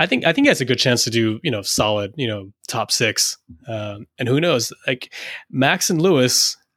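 A man with a slight French accent, medium pitch and moderate pace, his sound dry and close with no echo. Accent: near-American English, little French. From France. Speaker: podcast host. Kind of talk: casual chat. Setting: remote call.

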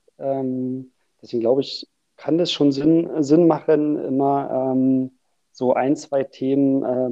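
This man speaks at a medium pitch. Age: 40s. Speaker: podcast guest. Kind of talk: casual chat. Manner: hesitant, many fillers.

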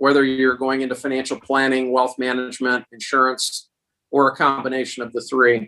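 A man speaks with a US Midwestern accent. His pace is fairly quick. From Fort Wayne, Indiana, US Midwest. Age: 50s. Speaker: insurance brokerage executive. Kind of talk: interview. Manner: frequent fillers and hesitations.

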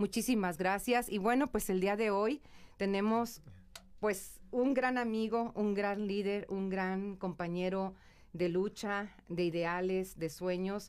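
Very slowly, a woman speaks at a medium pitch with fairly even intonation. Her loudness stays very even. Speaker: radio host. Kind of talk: radio talk show.

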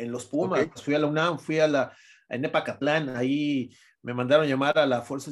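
In a very clean recording with a silent background, a man speaks fairly quickly at a fairly high pitch in an ordinary speaking voice. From Mexico City, Mexico. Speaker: sports play-by-play announcer and journalist. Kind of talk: casual interview.

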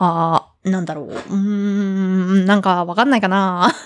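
A woman speaks in a plain, everyday voice of medium pitch with fairly even intonation, the sound dry and close with no echo. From Japan. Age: 20s. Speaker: podcast co-host. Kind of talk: casual chat. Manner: casual, laughing often.

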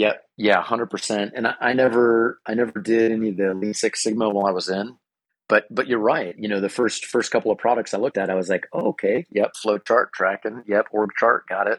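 A man's ordinary speaking voice at medium pitch, with an American accent, ordinary pitch variation, a fairly quick pace and a dry, close sound with no echo. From California. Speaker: retired Marine officer, contractor. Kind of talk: interview conversation.

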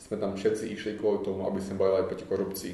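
Audible room echo fills the space. A man speaks in a dark, mellow tone. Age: 20s. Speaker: politician. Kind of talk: interview.

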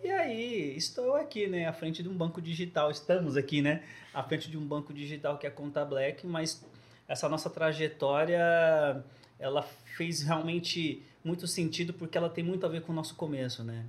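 A man's normal speaking voice, fairly high in pitch, with ordinary pitch variation and a moderate pace. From São Paulo, south zone (Capão Redondo). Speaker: entrepreneur, digital bank founder. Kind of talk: casual interview chat.

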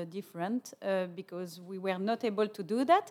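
A woman with a French accent speaks at a medium pitch with ordinary pitch variation. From France, Paris. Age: young. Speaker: marketing manager. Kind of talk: casual chat. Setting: studio. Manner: halting.

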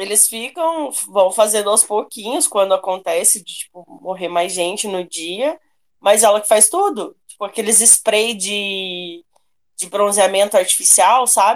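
A woman with an unremarkable speaking voice talks at a fairly slow pace in a medium pitch, with ordinary pitch variation and big swings in loudness. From Brazilian countryside town. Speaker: listener caller. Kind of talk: casual chat.

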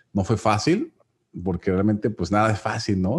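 Moderate pace and fairly even intonation in a dark, mellow tone. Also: man. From Mexico, Toluca. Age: 30s. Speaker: trading academy CEO and trader. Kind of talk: interview on live stream.

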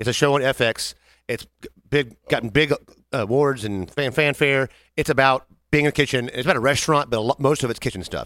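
A man with an unremarkable speaking voice talks at a fairly quick pace and medium pitch with ordinary pitch variation, sounding dry and close with no echo. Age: 30s. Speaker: podcast co-host, bartender. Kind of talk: casual chat.

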